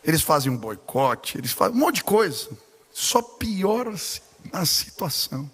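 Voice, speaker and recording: A man with a Brazilian Portuguese accent preaching a sermon as pastor, telling stories animatedly and building to shouted exclamations. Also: a little high, sing-song, a little slow, breathy edge. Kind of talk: sermon with personal storytelling. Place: large church sanctuary. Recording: long hall reverb in a church.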